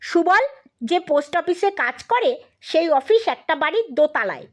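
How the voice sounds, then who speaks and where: A woman's voice: very high-pitched, sing-song, unhurried. A woman narrating a scripted comic story as an audiobook reader.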